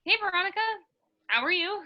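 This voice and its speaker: A woman's voice: very high voice, animated, brisk, lo-fi sound. A woman playing an earnest, insecure young student playwright in a comedy sketch, hesitant and easily crushed. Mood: timidly hopeful. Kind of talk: staged reading of comedy sketch.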